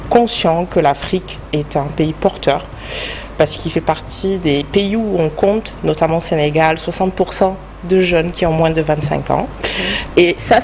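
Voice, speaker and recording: A woman's voice: sits low, a little mellow, slight background noise. A woman from France with a French accent, answering as an expert guest in a studio interview in a structured, explanatory way. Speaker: guest expert, human resources director.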